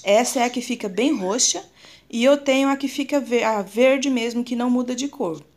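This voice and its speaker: A woman's voice: on the high side, moderate pace, darkish tone. A woman with a Brazilian Portuguese accent gives a casual show-and-tell vlog. She is chatty and affectionate, uses lots of diminutives, and keeps turning to her viewers. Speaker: plant vlogger.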